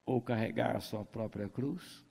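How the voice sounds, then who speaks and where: A man's voice: fairly low pitch, measured pace, vocal fry, warm tone, husky. A man preaching a sermon as pastor, in a folksy way, joking and acting out the people he quotes. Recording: long hall reverb.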